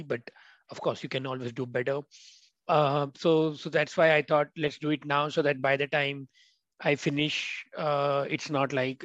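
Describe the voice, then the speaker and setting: A man's voice: mid-range voice, fairly bright tone, dry recording. A man from India, a guest speaking hesitantly with many fillers over a video call. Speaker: guest, former language student. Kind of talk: casual interview. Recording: dull, dry call audio.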